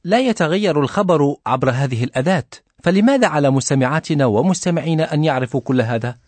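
Lively male radio host asking questions. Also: fairly high pitch, fast talker, no echo. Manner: asks the teacher questions for the listeners. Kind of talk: hosting a language lesson on radio.

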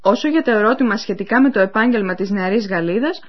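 A woman presenting a radio language course, explaining clearly and speaking to listeners in scripted educational narration. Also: mid-range voice, expressive. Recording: dull lo-fi radio recording.

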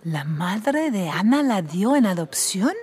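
A woman's voice: medium pitch, sing-song, slow pace, a little mellow. A woman playing a teasing, instructive guide who explains scenes in a scripted radio drama. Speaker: narrator figure guiding Harry.

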